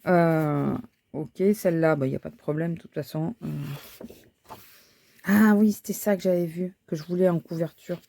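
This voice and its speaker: A woman's voice: fairly low pitch, steady tone, moderate pace, vocal fry, dark tone, dry recording. Woman chatting casually while crafting. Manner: thinking aloud, hesitant, many fillers and restarts. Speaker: crafting vlogger.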